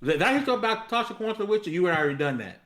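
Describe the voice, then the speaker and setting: A man's voice: high voice, very animated, rapid-fire, a bit bright. A man chatting casually on a group show, slangy and sweary, repeating points for emphasis. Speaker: panelist on a gaming talk show.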